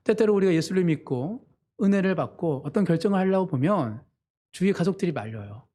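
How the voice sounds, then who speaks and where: Earnest Korean pastor, slightly high voice. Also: male voice, expressive, fairly quick, warm tone. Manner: earnest preaching, voices quoted family members with sudden pitch jumps. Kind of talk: sermon.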